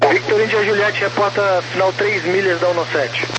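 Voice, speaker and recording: A man's voice: sits high, steady tone, normal speed. A Brazilian man as a tower controller, giving clipped air traffic control instructions over radio. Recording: noisy tower radio with hum.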